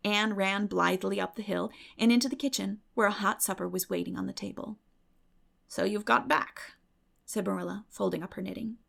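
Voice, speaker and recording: A woman's voice: medium pitch, steady tone, fast, gravelly, hardly any pauses, fairly bright tone. A woman reading a classic novel aloud as a dramatic audiobook narrator.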